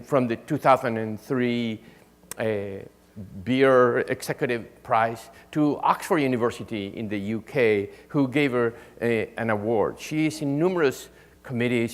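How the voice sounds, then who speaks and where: A man gives an earnest, repetitive introduction of the evening's guest speaker, full of fillers. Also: medium pitch. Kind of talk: formal introduction. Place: lecture hall. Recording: long reverb of a lecture hall.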